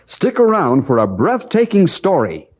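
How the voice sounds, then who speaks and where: Rousing old-time radio announcer. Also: male voice, a little high, huge pitch swings, measured pace, a little mellow, slightly rough. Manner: rousing, folksy, addressing kids. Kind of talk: 1950s radio show introduction. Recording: dull old radio recording.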